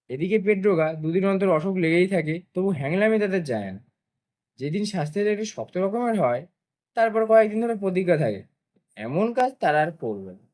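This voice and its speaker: A man narrating a children's story for a cartoon in an expressive, lively way. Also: on the high side.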